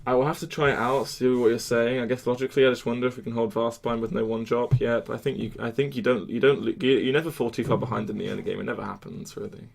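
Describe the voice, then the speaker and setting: A man streaming a card game, talking casually to chat, often restarting and trailing off into quiet mutters. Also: medium pitch, steady tone, quick pace, gravelly, hardly any pauses.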